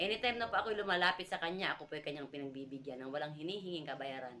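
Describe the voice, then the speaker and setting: Over noticeable background noise, a woman speaks at a very fast pace with lively intonation. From Philippines, Quezon province. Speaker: cancer survivor. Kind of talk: testimony.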